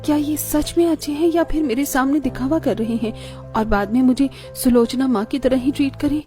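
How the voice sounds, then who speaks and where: A woman voicing a gentle, timid young bride in an animated story, speaking softly and pleadingly. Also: high voice, moderate pace, soft background music, lightly acted. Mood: sad. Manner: soft, pleading.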